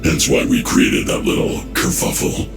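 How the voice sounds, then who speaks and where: A man's voice: expressive, moderate pace, exaggerated voice. A man voicing a smug, menacing villain agent in a video game, condescending and full of mock sympathy. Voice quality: very deep, gravelly. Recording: roomy echo, music behind.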